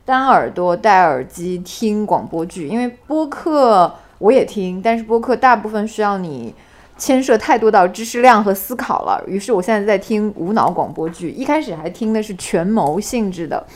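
A woman co-hosting a casual podcast chat. She has an ordinary mid-range voice and shares everyday stories in an animated way, laughing as she goes. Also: mid-range voice, normal speed. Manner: lively storyteller, laughs through anecdotes. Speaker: podcast co-host.

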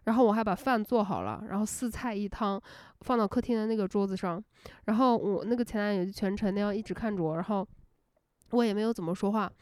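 Animated woman ranting casually. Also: medium pitch, quick pace, clean tone, no echo, studio quality. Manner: animated storytelling, laughing often, dropping English words into her talk. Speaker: host. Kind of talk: unscripted casual rant.

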